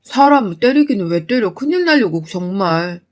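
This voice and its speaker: A woman's voice: medium pitch, lively intonation, normal speed, close to an everyday voice. Woman playing an exasperated young husband. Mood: pleading. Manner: pleading, defensive.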